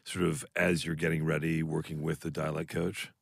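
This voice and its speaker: A man's voice: extremely low pitch, little pitch movement, normal speed, vocal fry, husky, no echo, clean studio sound. A man co-hosting a podcast who asks long rambling questions with restarts. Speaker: podcast co-host. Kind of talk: casual podcast chat.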